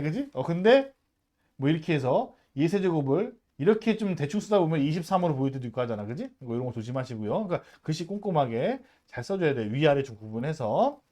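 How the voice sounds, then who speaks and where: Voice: medium pitch, darkish tone. A math teacher giving a casual lecture to middle school students, chatty and emphatic, constantly checking in with rhetorical questions and drilling them to say terms aloud.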